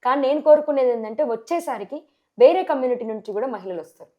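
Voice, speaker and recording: A woman with a Telangana Telugu accent, a sarpanch candidate answering in a TV interview, forceful and full of rhetorical questions. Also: high-pitched, animated, quick pace, highs cut off.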